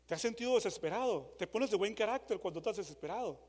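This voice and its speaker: A man preaching a dramatic sermon, moving from loud re-enacted shouts to hushed questions. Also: high-pitched, animated, fast. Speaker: pastor. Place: church hall. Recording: long church hall reverb.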